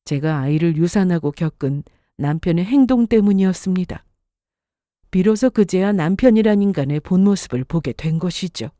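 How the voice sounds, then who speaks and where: A woman narrating a first-person story in a calm, scripted storytelling manner. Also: on the low side, normal speed, no room sound, studio quality.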